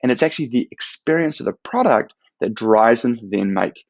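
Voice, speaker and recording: A man in his thirties with a New Zealand accent, giving a measured, explanatory product talk into a close webcam mic. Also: medium pitch, expressive, vocal fry, no echo. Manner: measured, explanatory, with some fillers. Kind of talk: recorded conference presentation. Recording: dull, slightly lo-fi sound.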